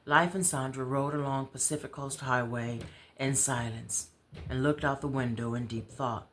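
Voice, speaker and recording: Low-key woman reading fiction aloud. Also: steady tone, normal speed, a little hiss or hum. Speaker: author and storyteller. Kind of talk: expressive read-aloud of fiction.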